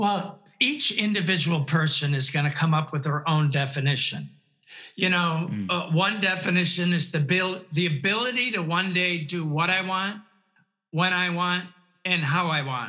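The voice is bright and sharp, with an American accent. It moves at a moderate pace with ordinary pitch variation. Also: man, high pitch for a man. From US Midwest, Detroit, Michigan. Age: old. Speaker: personal finance coach. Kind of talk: interview.

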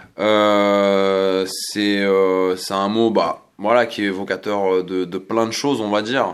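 A man's fairly low, monotone, flat voice at a very slow pace, with hardly any pauses. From southern France, Marseille. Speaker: rapper. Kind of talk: casual interview.

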